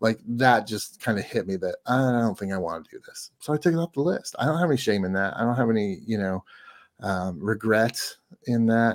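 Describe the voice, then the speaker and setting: A man talks at a fairly quick pace in a normal speaking voice, with medium pitch. The recording is very clean, the background silent. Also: lively intonation. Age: 50s. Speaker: author and podcaster, guest. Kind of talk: casual interview chat.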